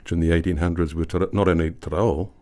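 An older man, a guest poet telling a history with wry, measured storytelling in a podcast interview. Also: deep voice, steady tone, dark tone. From New Zealand.

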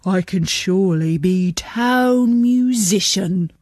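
A woman voicing an old runaway donkey in a children's story, eager to be a musician, with a hearty, drawn-out delivery. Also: mid-range voice, darkish tone, dry recording, clean studio sound. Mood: hearty, encouraging.

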